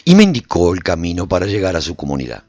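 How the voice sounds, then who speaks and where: A man with a very deep, husky voice narrates a radio drama, his pitch rising and falling with lively expression. The recording is dry and dull, with faint music underneath. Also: fast, dry recording. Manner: expressive storytelling.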